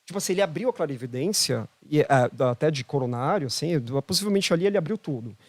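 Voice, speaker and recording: A holistic therapist with a Brazilian Portuguese accent tells a story as a guest on a casual podcast, his fairly high voice moving with lively intonation at a quick pace. He drives his points home by emphatically repeating phrases. The recording is dry and close, with no room sound at all.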